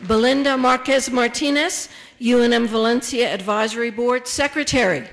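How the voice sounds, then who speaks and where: A woman serving as the emcee of a ceremony, reading out names, titles and introductions in a measured way. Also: fairly high pitch, gravelly, slight background noise.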